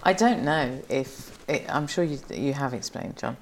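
A woman's voice: rumbling low, animated, moderate pace, vocal fry, a little hiss or hum. A woman hosting a podcast, talking conversationally and explaining things. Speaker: podcast host. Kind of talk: conversational interview and discussion.

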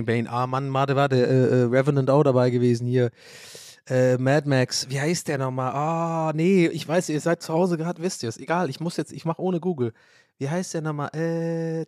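A man from Ireland rambles through a casual podcast monologue, cracking jokes at his own expense and swearing freely. His voice sits at an ordinary middle pitch. The recording is dry and close. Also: darkish tone, no echo. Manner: rambling, joking, self-mocking, swears casually. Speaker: podcast host.

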